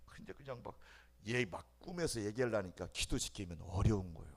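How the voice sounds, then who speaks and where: Middle-aged male pastor, sermon delivery, very animated pitch, loud-to-whisper swings, repetitive emphasis. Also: a little fast. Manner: repeats phrases for emphasis.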